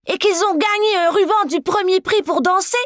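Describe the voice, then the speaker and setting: A woman's voice: extremely high pitch, normal speed, no room sound, clean studio sound. A woman playing an eager, curious four-year-old boy with a childlike voice in a cartoon. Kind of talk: cartoon dialogue.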